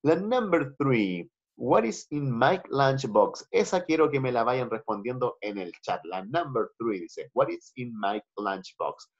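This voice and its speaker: Profesor chileno de inglés, voz ronca. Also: male voice, medium pitch, sing-song, takes it slowly, hardly any pauses, husky. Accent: Chilean Spanish. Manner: patient, switches between Spanish and English, repeats phrases. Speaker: English teacher. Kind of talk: online class teaching. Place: home, video call. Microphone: computer mic on a video call. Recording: dull lo-fi video call audio.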